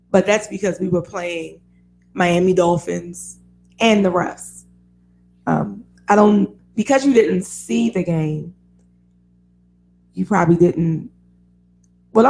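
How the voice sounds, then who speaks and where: A woman hosts an online sports talk radio show in a raspy, gravelly voice that sits low. She talks casually and with strong opinions, and laughs often. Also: darkish tone.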